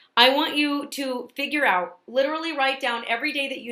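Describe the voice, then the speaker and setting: At a fairly quick pace, a woman with a high pitch uses a raised, projected voice with ordinary pitch variation. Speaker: network marketing business coach. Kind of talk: motivational tutorial talk. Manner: fast.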